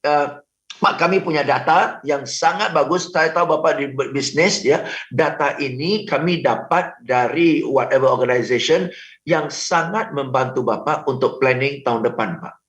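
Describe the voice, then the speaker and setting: A man, a sales trainer, giving advice on a radio talk show, animated, laughing often, acting out phone calls and mixing in English phrases. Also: medium pitch, normal speed, echoey room, muffled recording. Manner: mixes English phrases into speech.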